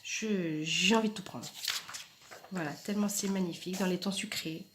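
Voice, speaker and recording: A woman's voice: lowish voice, normal speed, noisy background. Chatty woman presenting craft products. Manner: chatty and enthusiastic, often trailing into soft asides. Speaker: independent crafting product demonstrator. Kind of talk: casual product presentation vlog.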